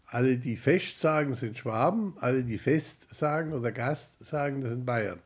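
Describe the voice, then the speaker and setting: A man's voice: medium pitch, normal speed, breathy edge. A man who researches dialects, giving a patient interview answer and explaining with examples.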